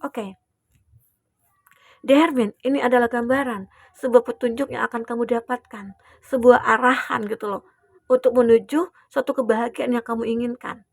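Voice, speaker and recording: Gravelly-voiced woman giving a tarot reading. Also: a little high, fairly even intonation, moderate pace, long pauses, no room sound, studio quality. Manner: gentle, reassuring, with many fillers and tag questions. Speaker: tarot reader.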